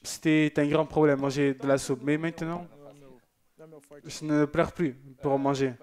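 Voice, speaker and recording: A man's voice: on the high side, little pitch movement, measured pace, darkish tone. A man presenting a church TV program, reading out viewer messages in a chatty, joking way with loose asides. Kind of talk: casual broadcast chat reading viewer messages.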